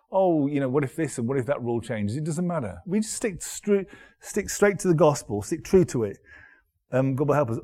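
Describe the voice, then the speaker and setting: Middle-aged male pastor, mid-range voice, loose halting sermon delivery. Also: mid-range voice, warm tone. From Derby, England. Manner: conversational, halting, with frequent restarts and repeated words.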